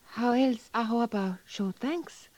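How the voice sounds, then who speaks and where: An actress playing a young Native American woman in a radio drama, earnest and softly curious, speaking halting, simple, solemn broken English. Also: on the high side, dry recording. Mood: earnest, grateful. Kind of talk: 1950s radio drama acting. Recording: muffled vintage radio recording.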